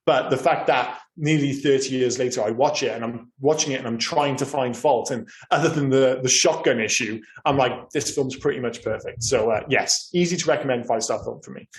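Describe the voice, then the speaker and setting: A man with a Cardiff accent chats about films over a remote call. He talks loosely and casually, swears freely and often stumbles over a repeated word. His voice sits at an ordinary middle pitch. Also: a little fast, hardly any pauses. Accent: Cardiff Welsh. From Wales. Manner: chatty, swears freely, stammers on repeated words. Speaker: podcast co-host. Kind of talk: casual film podcast chat.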